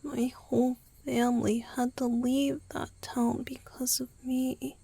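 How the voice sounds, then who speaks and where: A woman playing a tender, guilt-ridden young male vampire boyfriend in a romantic ASMR roleplay, mostly whispering in a slow, halting, intimate way. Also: high voice, level tone, vocal fry, dark tone, slightly rough, no room sound, heavily acted. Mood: somber, confessional.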